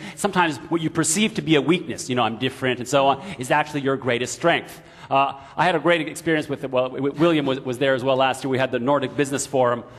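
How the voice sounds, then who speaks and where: Against noticeable background noise, a man with an American accent talks very fast in an animated tone. His voice is fairly high in pitch, with ordinary pitch variation. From Finland. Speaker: panel moderator. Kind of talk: panel discussion. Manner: animated, repeats words often.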